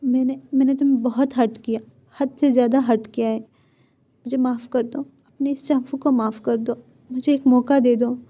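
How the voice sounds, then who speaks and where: A woman voicing a remorseful male mafia boss who begs his lover for forgiveness, with halting repeated words. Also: high-pitched, fairly even intonation, warm tone. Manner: pleading, apologetic, halting repeats. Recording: dull lo-fi recording.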